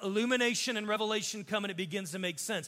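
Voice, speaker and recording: Raising and projecting his voice, a man speaks at a high pitch in a bright, sharp tone. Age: 40s. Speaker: pastor. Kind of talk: sermon. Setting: church.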